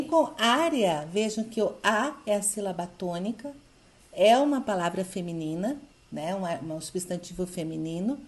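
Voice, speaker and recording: A woman leads a recorded review class, working through grammar exercises item by item. Her voice sits at an ordinary middle pitch. She explains each answer patiently and keeps checking in with short questions to the class. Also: darkish tone. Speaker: Spanish teacher. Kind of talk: recorded online review lesson.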